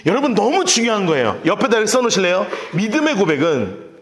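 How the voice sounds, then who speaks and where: A man with a very high voice preaches to his congregation in a lively, swooping delivery. He acts out scenes with voices and playful sound effects. The sound carries the echo of a church sanctuary. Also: fast. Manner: animated storytelling with acted voices and sound effects. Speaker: pastor. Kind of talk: sermon.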